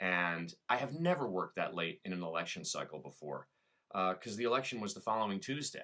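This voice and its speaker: A man with an American accent, a bright, sharp tone and very wide pitch swings at a fairly quick pace. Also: very clean recording, silent background. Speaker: voice actor. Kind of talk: casual talk to camera.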